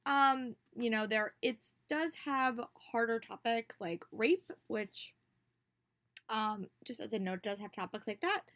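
A woman's voice: on the high side, lively intonation, a little slow, a bit bright. A young woman and teacher talking casually in a reading vlog, chatty with many fillers and restarts, recorded on a laptop webcam in a small bedroom. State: slightly hoarse from a cold. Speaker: book vlogger and teacher. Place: small bedroom with bookshelves and posters. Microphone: laptop webcam at close range.

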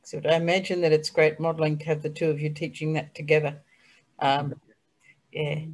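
Older woman on a call, flat even voice, rambly, ums a lot. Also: low voice, brisk. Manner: chatty, trailing off with ums. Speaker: panelist. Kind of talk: panel discussion. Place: small room indoors.

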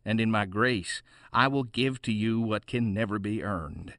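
A man playing a gentle, merciful gardener who speaks in a formal, old-fashioned way in an audio drama. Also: on the low side, a little slow, dry recording, clean studio sound. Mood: kindly, solemn.

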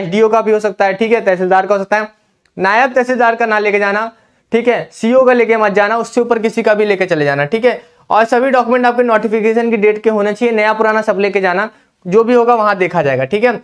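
High-voiced young man teaching at whiteboard. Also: clear, resonant tone. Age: young adult. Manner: instructive, repeats "ठीक है" often. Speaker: exam coach. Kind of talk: whiteboard lesson. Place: indoor classroom at a whiteboard. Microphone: lapel mic.

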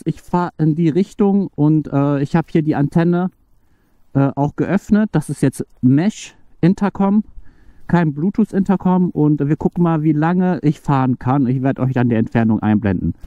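Mellow-voiced man chatting on the road. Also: on the high side, normal speed, no room sound. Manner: chatty, talking to his riding partner while on the move. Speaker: channel host testing an intercom. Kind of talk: casual on-the-road test commentary. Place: outdoors on a street, riding.

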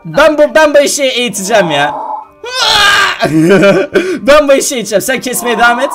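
Excitable high-voiced young man gaming. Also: rapid-fire, soft background music. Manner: excitable, laughs often, coaching. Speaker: gaming YouTuber. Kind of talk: casual gaming vlog, teaching his mother.

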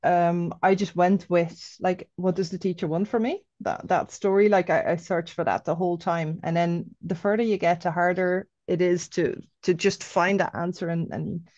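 Dutch woman w irish accent on a video call outside, lots of ums, low-ish voice. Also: fairly even intonation, moderate pace, few pauses, a little mellow, dry recording, highs cut off. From Netherlands. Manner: hesitant, many ums and restarts. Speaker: guest. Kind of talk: casual interview over video call. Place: outdoors by trees.

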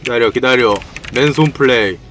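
A male game streamer giving excitable, playful let's-play commentary, full of slangy quips and sudden shouts. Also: mid-range voice, normal speed. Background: faint game music.

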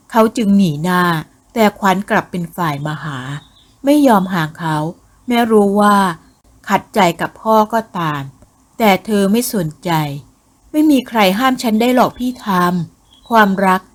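Woman narrating a ghost novel audiobook, measured, expressive, mid-range voice. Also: mid-range voice.

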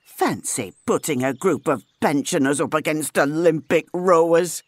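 A woman's voice: deep voice, unhurried, dry recording. A woman voicing a sceptical, grumbling female pensioner in a comedy cartoon, dry and exasperated. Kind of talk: animated comedy character acting.

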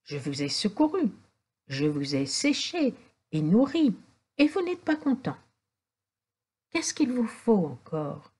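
A woman voicing a kind, quick-tempered old countrywoman in a children's storybook. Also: medium pitch, sing-song, breathy edge, heavily acted. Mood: indignant. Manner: scolding, then gently welcoming.

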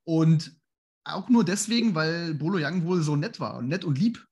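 Casting: male podcast interviewer, thirties, fairly high husky voice, informal and courteous. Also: animated, moderate pace, darkish tone. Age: 30s. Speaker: interviewer, host. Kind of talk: casual interview chat. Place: home room, indoors.

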